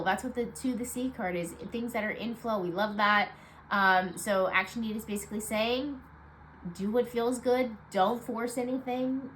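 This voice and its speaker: A woman with a stuffed-up, nasal voice giving a casual weekly card reading, low on energy and rambling with many fillers. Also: slight background noise, poor audio. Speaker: tarot card reader.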